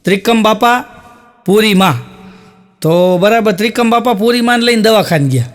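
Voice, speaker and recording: A man with a high, light voice tells stand-up jokes. He talks in a folksy, storytelling way and slips into the voices of the village characters in his stories. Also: normal speed, faint music behind. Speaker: comedian. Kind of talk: stand-up joke telling.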